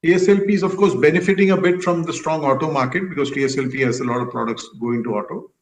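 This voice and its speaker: A man's voice: a little high, quick pace. Male executive in an echoey room. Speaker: company executive. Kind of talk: answering questions on an earnings call. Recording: roomy, echoing conference call audio.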